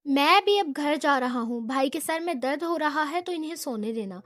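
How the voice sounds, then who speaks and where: A woman reading the lines of a young man who briskly orders others about, in an audiobook of a novel. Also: very high voice, lively intonation, a bit bright, dry recording, studio quality. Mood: bossy. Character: young man, bossy and protective of his friend.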